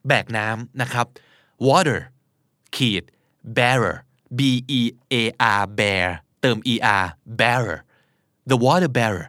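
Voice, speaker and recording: Thai-accented man teaching slow pronunciation. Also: medium pitch, animated, a bit bright, no room sound, clean studio sound. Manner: slow, spells words letter by letter. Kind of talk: podcast pronunciation lesson.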